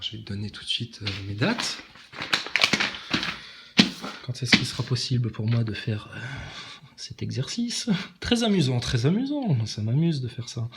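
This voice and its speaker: A man giving a sarcastic, emphatic monologue to camera, challenging his critics. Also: medium pitch. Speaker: online video maker answering critics.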